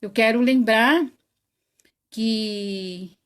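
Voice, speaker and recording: A woman with a Brazilian Portuguese accent hosting an online study livestream, chatting casually, greeting viewers one by one by name and laughing often. She says her voice is very loud. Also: a little high, drawn-out words. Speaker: host of an online spiritist study.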